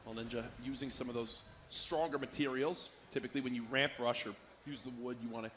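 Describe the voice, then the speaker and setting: A man's voice: medium pitch, steady tone, quick pace, fairly bright tone. A man working as an esports caster, giving live commentary on a battle royale game and explaining tactics to viewers. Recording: noisy live event with game gunfire.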